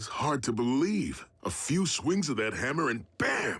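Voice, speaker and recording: A man performs a cartoonish character voice, pitched fairly high. He delivers it at a moderate pace. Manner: blunt, casual.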